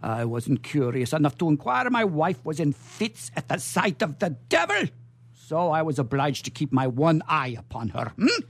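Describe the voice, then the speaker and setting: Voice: mid-range voice, very animated, moderate pace. An actor playing a tipsy, one-eyed gypsy man who rambles comically in a radio theatre melodrama. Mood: tipsy, boastful.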